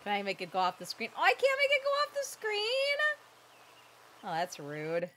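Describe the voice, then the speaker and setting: A woman's voice: high voice, wildly swooping pitch, moderate pace, fairly bright tone, slight background noise. Playful, foul-mouthed woman streamer. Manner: playful, sarcastic, swears freely, mock accents. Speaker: voice actor streaming gameplay. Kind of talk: casual gameplay commentary.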